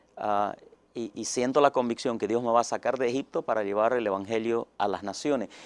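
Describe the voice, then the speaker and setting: A man at medium pitch with a Santa Cruz Bolivian accent, fairly quick pace and ordinary pitch variation, in dry, close sound with no echo. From Egypt. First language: Arabic (speaking Spanish). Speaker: pastor. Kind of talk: testimony.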